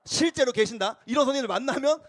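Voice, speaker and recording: A man's voice: extremely high pitch, rapid-fire. A young male youth pastor giving a playful, interactive sermon at a church youth service and coaxing students into role-play.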